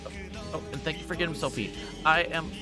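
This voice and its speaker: A man livestreaming a visual novel, moving between quiet reading aloud and halting, casual chat. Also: fairly high pitch, music in the background. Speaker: livestreamer playing games.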